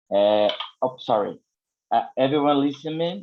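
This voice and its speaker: This man has a fairly high voice and a Portuguese accent. He talks at a fairly slow pace with lively intonation. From Brazil, São Paulo. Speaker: law researcher. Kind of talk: academic conference presentation. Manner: halting.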